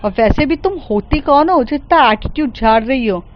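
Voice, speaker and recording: A woman's voice: high voice, expressive, moderate pace, lo-fi sound. Woman doing a haughty spoiled rich girl. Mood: contemptuous. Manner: dismissive, condescending.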